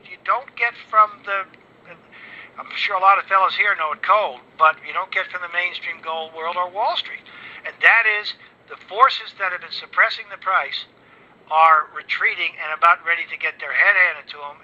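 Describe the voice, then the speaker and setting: An older man giving an informal speech as a guest speaker, rambling and emphatic, with an excitable manner. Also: on the high side. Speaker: guest speaker at an investor gathering. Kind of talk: informal speech on precious metals markets. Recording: dull, band-limited audio.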